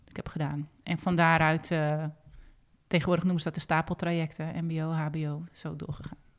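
Speaking at a moderate pace, a woman keeps a monotone, flat intonation while her loudness swings widely, on a very clean recording with a silent background. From Netherlands, North Holland (Den Helder region). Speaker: entrepreneur in the equestrian sector. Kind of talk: interview. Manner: hesitant with many fillers.

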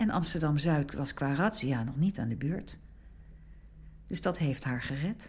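A woman with a very deep, low pitch sounds somewhat breathy, using lively intonation and long, frequent pauses. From Netherlands, Weesp. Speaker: former TV newsreader. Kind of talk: personal testimony. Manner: halting, with repetitions.

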